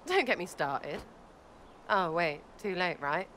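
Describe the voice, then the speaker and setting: Casting: irreverent young female elf archer in a fantasy game, colloquial British, animated and forceful. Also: lowish voice, slow pace, slight background noise. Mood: agitated, sarcastic. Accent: English, colloquial British. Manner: blunt, slangy, sarcastic. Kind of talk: fantasy video game acting.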